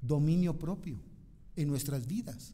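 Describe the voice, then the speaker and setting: A man speaks in an animated tone. Audible room echo surrounds his voice. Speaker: pastor. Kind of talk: sermon. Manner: loud.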